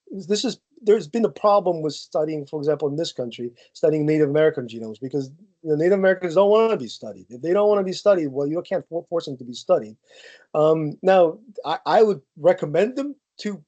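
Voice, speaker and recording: A man's voice: fairly high pitch, mellow, lo-fi sound. A man answering audience questions over a video call, thoughtful and full of hesitant restarts. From Ukraine. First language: Ukrainian. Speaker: guest speaker, geneticist.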